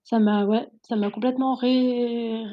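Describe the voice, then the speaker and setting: A woman's voice: on the high side, steady tone, a little slow, lo-fi sound. A woman from France, an Ayurvedic therapist, talking casually as a guest in an interview, with frequent laughs and many hesitations. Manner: laughs often, many fillers and restarts.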